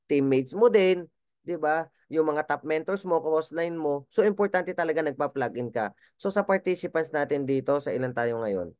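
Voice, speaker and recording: A man's voice: a little high, darkish tone, no room sound, studio quality. A man leading a motivational business training, coaching his team and often checking for their agreement. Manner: coaching, repeatedly asks the audience for agreement.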